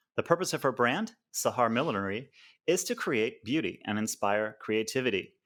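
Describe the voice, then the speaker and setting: With an American accent, a man talks in a normal speaking voice at medium pitch and a moderate pace. His intonation is lively, and the recording is very clean with a silent background. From United States. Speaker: podcast host. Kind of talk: scripted introduction; interview.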